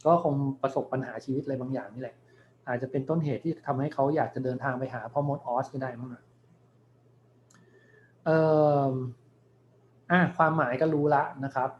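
A man's voice: mid-range voice, steady tone, a little hiss or hum. Man lecturing patiently in dull lo-fi sound. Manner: explains patiently, thinking aloud with many polite particles; reads English song lyrics and words slowly for students. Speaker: university lecturer. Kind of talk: recorded online class lecture.

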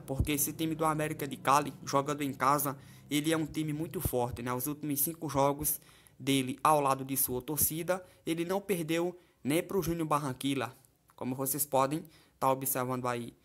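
A man talks through football betting tips as a voice-over on a screen recording. His voice sits a little high for a man, and he keeps it chatty, checking in with his viewers as he goes. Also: fairly even intonation, moderate pace, a bit bright, slight background noise. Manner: chatty, keeps asking "tá certo?" and "né?". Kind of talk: casual screen-share commentary. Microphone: voice-over over a phone screen.

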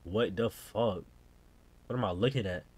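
A man's voice: on the low side, unhurried, noisy background. A young American man doing casual, slangy game reaction commentary as a streamer, often exclaiming. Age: young adult. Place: indoor room at home.

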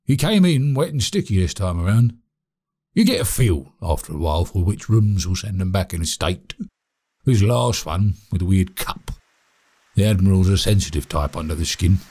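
An actor playing a chatty, cagey British servant in an audio drama, speaking in a halting, colloquial, animated way. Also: male voice, sits low, breathy edge, heavily acted. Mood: confiding. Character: chatty, cagey servant man, obsequious yet scheming. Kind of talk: audio drama monologue and dialogue.

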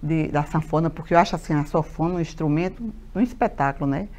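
A woman's voice: sits low, quick pace. A woman, a mayor talking animatedly as a guest in a TV studio interview, with many fillers and repeated words. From Paraíba, Brazil. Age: 50s. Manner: animated, gestures a lot, many fillers and repetitions. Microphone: lapel mic.

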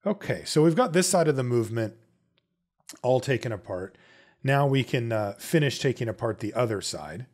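A man's voice: mid-range voice, expressive, normal speed, darkish tone. A man hosting a repair channel, talking through each step casually and conversationally, as if thinking aloud. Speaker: host of a watch repair channel. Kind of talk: casual step-by-step tutorial narration.

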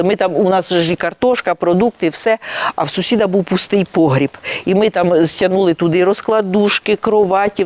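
A woman's voice: medium pitch, a little mellow, no echo. Older village woman, dry close sound. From Kyiv region, Ukraine. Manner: repetitive, hesitant retelling, restarting sentences. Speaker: interviewee. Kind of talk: documentary testimony.

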